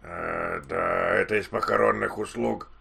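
A man in casual phone banter, deadpan and mocking, stalling and repeating his words as he goes. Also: low voice, measured pace, vocal fry, slightly rough. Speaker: prank-style answerer of collection calls.

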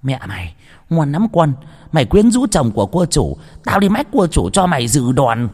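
A man's voice: on the high side, sing-song, normal speed, a little mellow, long reverb tail, voice pushed up. A man voicing a spiteful young maidservant who sneers, stammers and begs. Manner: stammering, sneering then begging. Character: spiteful young female servant, groveling.

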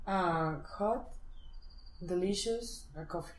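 Woman student, unhurried, unsure, lowish voice, roomy echo. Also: a little hiss or hum. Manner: hesitant, slow, tries words out. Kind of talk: one-on-one language lesson. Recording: echoey room.

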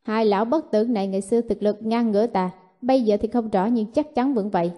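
A woman voicing an aged male elder in blue robes who speaks in a slow, measured murmur. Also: fairly high pitch, steady tone, muffled recording, natural voice. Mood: grave.

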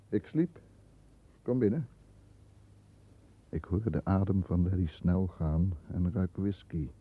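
An actor playing a stern, disdainful middle-aged lawyer who narrates his own thoughts in a measured way in a 1960s radio drama, heard on a muffled old recording. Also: on the low side, mellow, no echo. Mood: tense, impatient. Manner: measured, introspective first-person narration.

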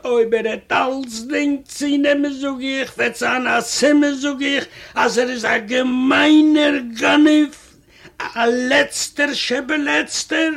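A man's voice: very high voice, steady tone, slow, gravelly, fairly bright tone. A man reading a comic first-person story aloud in a chatty manner, retelling a quarrel and repeating "I say" again and again.

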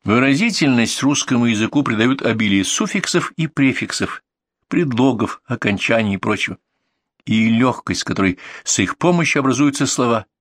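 A man reading nonfiction essays aloud as an audiobook narrator, in a measured, deliberate manner that slows down for lists and examples. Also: mid-range voice, animated, fairly bright tone, no echo.

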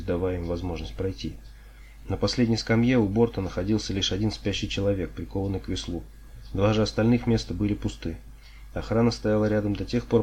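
A man reading an audiobook in a steady, measured storytelling manner. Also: fairly low pitch, husky. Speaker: audiobook reader. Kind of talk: audiobook narration.

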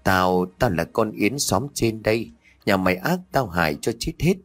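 A man's voice: lowish voice, animated, moderate pace. A man voicing a possessed young man who barks threats and wails. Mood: eerie. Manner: gruff, barking, threatening. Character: possessed young man, menacing, rude and hungry.

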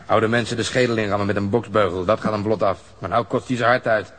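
An actor playing a gruff, hard-boiled policeman in a radio drama, blunt, sardonic and scornful. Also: on the low side, fairly even intonation, fast talker, a bit bright, lightly acted. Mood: contemptuous. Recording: faintly noisy drama recording.

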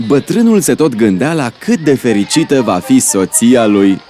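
A man narrating a cartoon story in an even, storytelling manner. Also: medium pitch, natural voice. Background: background music.

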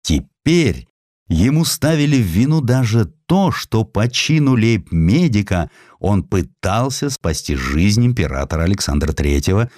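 A man's voice: deep voice, dry recording, studio quality. A man reading a historical essay as a dramatized, theatrical audiobook narration. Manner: theatrical, expressive storytelling.

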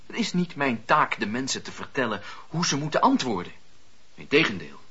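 Fervent husky preacher man. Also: medium pitch, sing-song, pushed and bright, heavily acted. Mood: calm conviction. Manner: declamatory, impassioned storytelling with dramatic pauses. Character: fervent wandering preacher, earnest 17th-century religious dissenter. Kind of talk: radio drama acting. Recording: dull, lo-fi radio play recording.

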